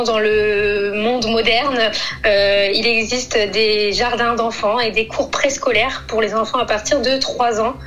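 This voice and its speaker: A woman from France answering interview questions about her family, hesitant, with many fillers and pauses. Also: on the high side, a bit bright. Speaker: guest, expat mother.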